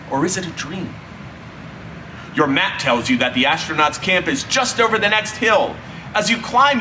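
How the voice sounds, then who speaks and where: Animated, high-pitched man reading a children's story. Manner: dramatic, drawn-out emphasis with deliberate pauses. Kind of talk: expressive children's story narration. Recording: distant mic, faint background hum.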